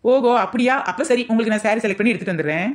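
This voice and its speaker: A woman voicing a clever, theatrical young daughter-in-law in a cartoon comedy, talking fast and scheming. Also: a little high, lightly acted. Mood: busy. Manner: rapid, scheming, mock-tearful when flattering.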